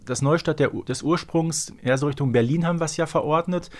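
A man's voice: on the high side, fast talker, darkish tone. A man of forty co-hosting a casual fan podcast, explaining things in an analytical way. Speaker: podcast co-host.

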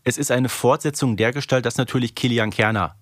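A man's voice: mid-range voice, brisk, dry recording, clean studio sound. A man chatting casually as a podcast co-host, discussing episodes as a fan.

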